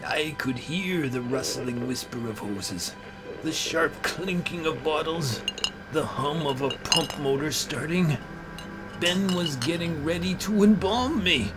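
Slow, brooding man narrating horror. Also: fairly high pitch, music in the background. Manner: slow, brooding, theatrical first-person delivery. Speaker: narrator and amateur voice actor. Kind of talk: dramatic scripted horror comic narration.

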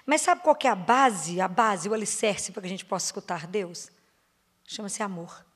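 Her voice husky, a Brazilian Portuguese-accented woman preaches a sermon to a parish prayer group in a church or parish hall. She asks questions of those listening, slows down on emphasized words and lowers to a gentle, deep tone for key phrases.

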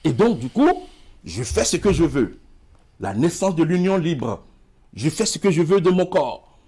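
A man's voice: on the high side, big pitch swings, measured pace, dark tone, breathy edge. A middle-aged man with a West African French accent, a guest in a TV studio interview, who gestures widely and stumbles over repeated words. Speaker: studio guest, emigration expert. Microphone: lapel mic.

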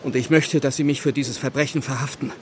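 An actor playing an anguished village clergyman burdened with guilt, speaking gravely and earnestly in a radio play. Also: medium pitch, fairly even intonation, quick pace, background noise, close to an everyday voice. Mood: resolved. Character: anguished, guilt-ridden English village clergyman confessing murder. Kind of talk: German radio play acting.

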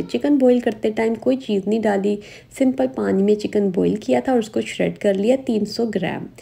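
A woman hosting a cooking lesson in voice-over, speaking. Her voice is very dark and mellow with a gravelly edge. She explains each step calmly and plainly. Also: mid-range voice. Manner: calm step-by-step instructions. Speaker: cooking channel host. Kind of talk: recipe voice-over.

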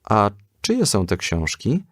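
A man voicing a calm, firm, moralizing mother in a children's story. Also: fairly low pitch, slow pace, dry recording, clean studio sound, exaggerated voice. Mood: admonishing.

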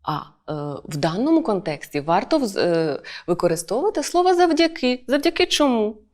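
A woman teacher delivers an online school lesson. She explains each point step by step and often pauses on short hesitation sounds. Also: on the high side, very animated, darkish tone. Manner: explanatory, with frequent "e" fillers.

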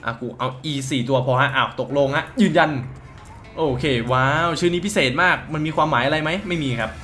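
Over faint music, a man with a slightly high, bright and forceful voice talks a little fast while playing a mobile game. His casual let's-play commentary is crude, profane and full of joking banter, and he reads the game's dialogue aloud.

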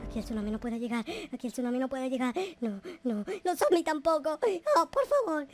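A man's voice: very high voice, expressive, brisk, music in the background. A man playing a panicky Minecraft noob in a gaming roleplay, repeating words frantically. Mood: frightened. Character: panicky male Minecraft noob fleeing zombies. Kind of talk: gaming roleplay, improvised exclamations.

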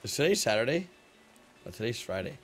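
Joking, excitable young male gamer. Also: medium pitch, fairly quick. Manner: joking, excitable, chanting repeated phrases. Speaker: gameplay streamer. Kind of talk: casual multiplayer game chat. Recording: faint background music.

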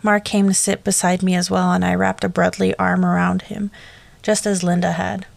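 A woman with a low, gravelly voice reads a horror story aloud in a steady, measured way. The sound is dry and close, with no room around it. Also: dry recording. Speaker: story narrator. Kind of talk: scripted horror narration.

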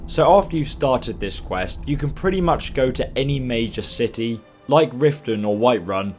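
A man hosting a game walkthrough, explaining steps in an upbeat, instructive way, his voice croaky from a long stream. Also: medium pitch, animated, normal speed, a little mellow, faint music behind. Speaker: gaming guide host.

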